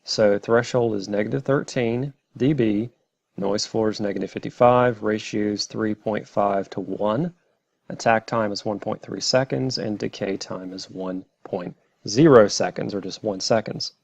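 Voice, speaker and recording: Male software tutorial host, methodical and plain, slightly deep, dull home recording. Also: steady tone, unhurried, creaky, no echo. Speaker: tutorial presenter. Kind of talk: step-by-step software tutorial narration.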